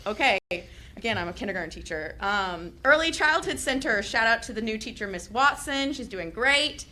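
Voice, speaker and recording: A young woman who is a teacher reads shout-outs at a school board meeting, chatty and loud, with laughing asides. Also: medium pitch, slight background noise. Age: young adult. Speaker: teachers association representative.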